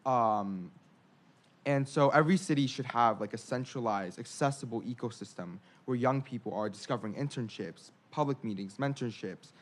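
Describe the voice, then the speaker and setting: Male panelist, medium pitch, relaxed and informal delivery. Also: normal speed. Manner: casual, uses fillers like "like" and "you know". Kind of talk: panel discussion remarks.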